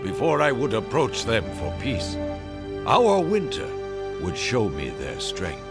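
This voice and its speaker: An actor playing a proud older Native American chief in a radio drama, speaking in a solemn, deliberate and formal way. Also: male voice, medium pitch, huge pitch swings, gravelly, full character voice. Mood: solemn, reflective. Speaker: narrator and chief. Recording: radio play with music underneath.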